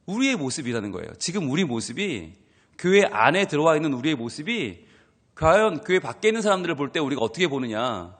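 A man preaches at an early-morning church service, his fairly high voice swinging up and down as he acts out scolding voices. His words ring through a church sanctuary with a long reverb tail. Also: fast, breathy edge. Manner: lively and animated, mimics scolding voices. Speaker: pastor. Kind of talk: sermon at a dawn prayer service.

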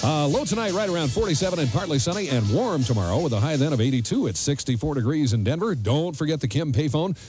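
A man hosts a morning radio show in a quick, wry, folksy way. He is middle-aged and banters live on a studio mic, with music playing behind him. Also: on the high side, animated, a little mellow. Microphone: studio boom microphone with headset.

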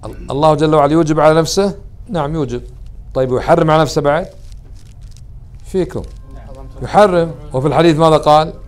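A man's voice: fairly high pitch, fast talker, pauses often. A man, a sheikh teaching a religious lesson who keeps putting questions to his listeners and mixes colloquial words into formal speech. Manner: questions the audience often, then answers himself.

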